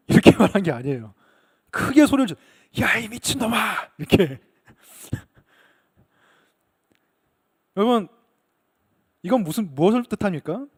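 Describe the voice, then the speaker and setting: A male pastor giving an emphatic Bible-study sermon, rising to fervent emphasis and briefly acting out shouted lines. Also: high-pitched. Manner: emphatic preaching, acts out shouted quotes.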